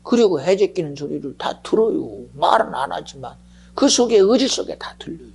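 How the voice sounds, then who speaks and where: Man preaching, gravelly, very raspy, lively pitch, whispers to shouts. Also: moderate pace. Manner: swings between hushed whispers and shouts. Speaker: pastor. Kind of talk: sermon.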